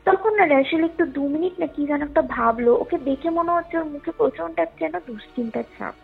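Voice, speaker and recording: A woman telling a story conversationally over a call, with hesitant, drawn-out and repetitive phrasing. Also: sits high, vocal fry. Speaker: caller telling a ghost story. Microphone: phone call. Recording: muffled lo-fi call with music underneath. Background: music.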